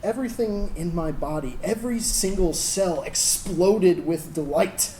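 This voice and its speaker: Earnest young gay man, acted by a man, lightish pitch, soft-toned, tender stage storytelling. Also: a little slow, slight background noise. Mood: tender, excited. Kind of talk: dramatic monologue in a staged reading.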